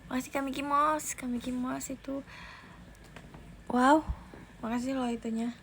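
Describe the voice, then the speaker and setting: A young woman talks casually into her phone on a livestream. She is chatty and often restarts her sentences. Her voice sits fairly high, and faint noise runs under the recording. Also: steady tone, moderate pace, a bit bright. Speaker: idol livestreamer.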